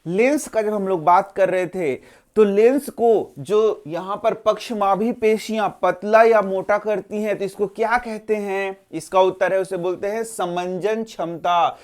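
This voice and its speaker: A man's voice: high-pitched, unhurried. A male teacher running an exam-prep lesson, posing questions to the students, answering them himself and repeating each answer. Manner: role-plays a tired student's interruptions.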